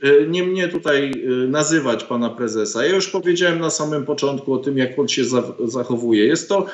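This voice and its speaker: During a political interview over a video call, a middle-aged male professor appearing as a guest commentator sounds hesitant and indignant, with lots of ums. He speaks at a moderate pace in a mid-range voice from a home study lined with bookshelves. His webcam audio is roomy, dull and lo-fi.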